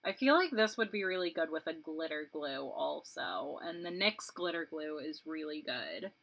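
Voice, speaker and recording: A woman's voice: sits low, animated, moderate pace, gravelly, lo-fi sound. A woman in her late twenties, a beauty vlogger chatting casually and rambling while she does her makeup, laughing often. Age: 20s.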